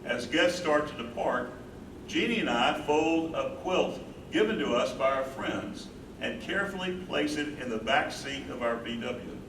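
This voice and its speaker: A man's voice: a little high, lively intonation, a little slow. A man playing a devoted, reflective husband who cares for his wife, in a dramatic staged reading. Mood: haunted, reflective. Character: devoted husband and carer, loving, troubled, reflective. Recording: echoey distant stage recording, clear noise.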